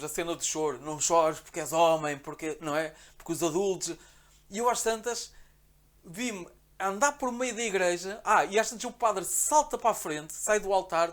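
A man with a European Portuguese accent, a podcast guest telling a travel story in a casual, animated way, acting out the quotes. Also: high-pitched. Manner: animated, excitable, acts out quotes.

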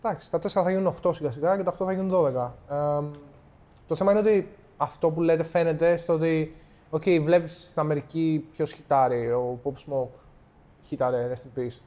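Young man, slightly high voice. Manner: teasing, reasons out loud, mixes English words. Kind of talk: casual podcast chat.

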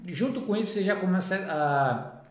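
A man's voice: sits high, animated, normal speed, echoey room. A man co-presenting a lesson, adding clarifications and often ending phrases with a questioning tag. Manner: adds clarifications with many "né" tags. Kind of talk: explanatory online lesson.

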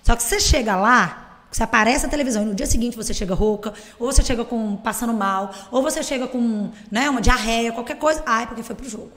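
A woman rattles off stories at high speed, her voice sitting a little high. She is animated and laughs often. The sound has a long, hall-like reverb. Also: fast talker. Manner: animated, laughing, swearing freely. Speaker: guest; teacher, football fan. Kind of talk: casual chat, storytelling.

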